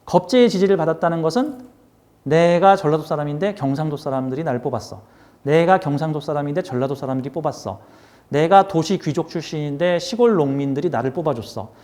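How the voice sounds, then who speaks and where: A man with a high voice lectures his class on fortune-telling. He keeps it lively, asking questions and answering them himself. He slips between polite and casual speech as he explains. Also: brisk.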